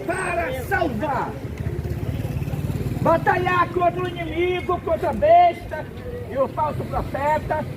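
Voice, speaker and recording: A Brazilian man with a Brazilian Portuguese accent preaching a sermon in a slow, deliberate, emphatic way, recorded outdoors. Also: very high voice, over a noisy crowd. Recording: outdoor traffic noise behind.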